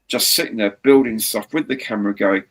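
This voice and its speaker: A man's voice: fairly low pitch, a little fast, a bit bright. Chatty, rambling man hosting. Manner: chatty, rambling, mild swearing. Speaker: host. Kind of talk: casual chat on a live stream.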